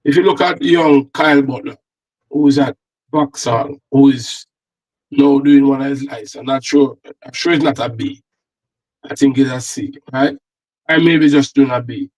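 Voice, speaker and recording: A man's voice: medium pitch, normal speed, darkish tone, low-quality recording. Rambling Jamaican man talking football. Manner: rambling, repeats words. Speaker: football analyst and co-host. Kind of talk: casual chat.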